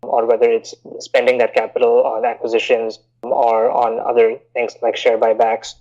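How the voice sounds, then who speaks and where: A man in his thirties from India, raised in Bahrain, answering interview questions in a measured, explanatory way with frequent "you know" fillers. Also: mid-range voice, monotone, dark tone, muffled recording. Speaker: guest, investment banker.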